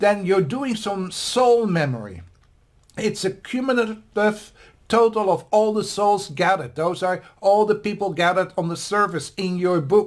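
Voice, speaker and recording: A high-pitched man's voice at a fairly slow pace. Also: ordinary pitch variation. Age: 70s. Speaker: religious video preacher. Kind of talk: sermon-style monologue. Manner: earnest direct address.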